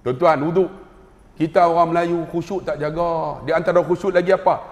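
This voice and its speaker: A man with a Malaysian Malay accent giving a humorous mosque lecture, telling stories, mimicking voices and slowly reciting Arabic prayers. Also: a little high, fairly even intonation. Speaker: preacher. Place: mosque hall. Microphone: wireless mic. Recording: roomy mosque hall with long reverb.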